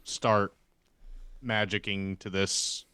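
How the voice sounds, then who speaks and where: A man playing a tabletop game, casually talking through his next move in deliberate, broken phrases. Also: fairly low pitch, flat delivery, bright, forceful tone, smooth, no echo.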